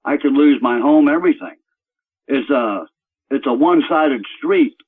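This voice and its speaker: A man phones into a talk show on speakerphone from his computer, so his voice comes through thin and tinny, like a phone line. He talks at a plain middle pitch and rambles, stalling often on fillers as he searches for words. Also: breathy edge. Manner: rambling, halting with many fillers. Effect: on speakerphone over a computer call. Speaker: caller. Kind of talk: radio call-in talk.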